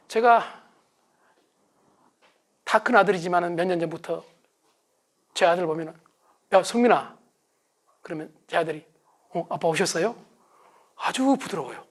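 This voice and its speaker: A middle-aged man giving a motivational lecture, asking the audience questions and answering them himself. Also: high voice. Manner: acts out shouted family calls. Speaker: success lecturer.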